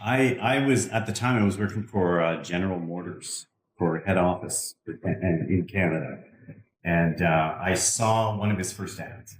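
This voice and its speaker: A man's voice: low-pitched, a little slow, echoey room, a little hiss or hum, low-quality recording. A man talking as an interview guest, earnest and agreeing a lot. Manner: earnest, says yeah a lot. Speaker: guest, marketing staff. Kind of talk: casual interview chat.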